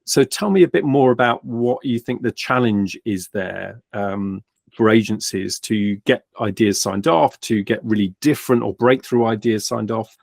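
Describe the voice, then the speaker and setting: A man's voice: fairly low pitch, moderate pace, creaky, dry recording, clean studio sound. A man hosting an interview, asking questions with hesitant, searching phrasing and many uhs. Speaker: interview host.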